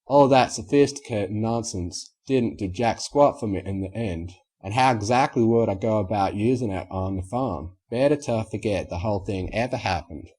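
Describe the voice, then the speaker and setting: A man's voice: fairly low pitch, normal speed, hardly any pauses, a little mellow, husky. A man voicing a stubborn, blunt country pony farmer mare in a storybook reading, with a folksy rural drawl. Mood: dismissive.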